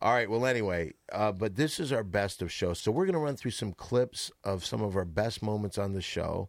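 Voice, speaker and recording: A man speaks at a moderate pace with a fairly low pitch, ordinary pitch variation and hardly any pauses. The recording is very clean with a silent background, and his is an unremarkable speaking voice. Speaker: podcast host. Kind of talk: casual comedic banter. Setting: studio.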